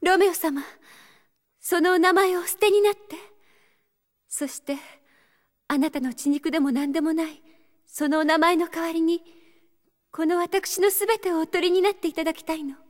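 A woman playing a gentle, earnest high-school girl in an anime audio drama, speaking softly and politely. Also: steady tone, normal speed, pauses often. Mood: theatrical, yearning. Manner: soft-spoken, polite, earnest.

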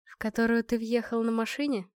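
A woman voicing a warm, teasing middle-aged mother in a storybook reading, speaking softly and unhurriedly. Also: a little high, fairly even intonation, a little fast, smooth, no echo, studio quality, close to an everyday voice.

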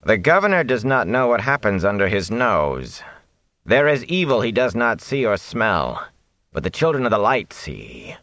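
A man voicing a cold, menacing cloaked zealot who speaks softly and slowly. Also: lowish voice, big pitch swings, no room sound, voice pushed up. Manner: soft, slow, cold and suspicious.

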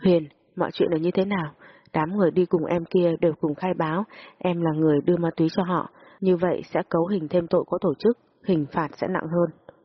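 A gentle young man, voiced by a woman talks slowly to calm someone. The voice stays low and husky. The audio-story recording sounds dull and lo-fi. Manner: slow, gentle. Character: calm caring young man reassuring her.

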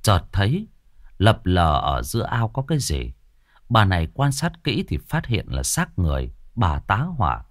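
A man's voice: sits low, huge pitch swings, normal speed, no echo, clean studio sound. A man narrating a ghost story with a dramatic storytelling delivery.

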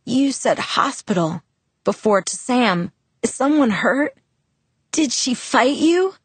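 Woman voicing a teenage girl, hoarse, shaken, raised pitch, anxious, storybook. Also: animated, slow, no room sound, heavily acted. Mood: worried.

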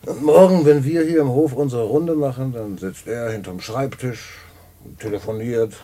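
An actor playing a streetwise, chummy jailed black-marketeer in a radio drama, slangy, worldly-wise and patronising. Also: male voice, mid-range voice, moderate pace, warm tone, natural voice. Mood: cocky. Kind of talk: post-war German radio play dialogue.

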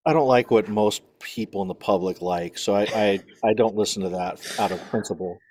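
A man's voice: lowish voice, brisk, darkish tone, no room sound, clean studio sound. A man co-hosting a casual comedy talk show, wry and musing. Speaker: co-host.

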